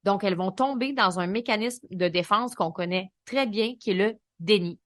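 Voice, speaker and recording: A woman with a Québécois French accent hosting a solo podcast, coaching in a lively, colloquial way. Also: mid-range voice, normal speed, no room sound, clean studio sound. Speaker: podcast host and business coach.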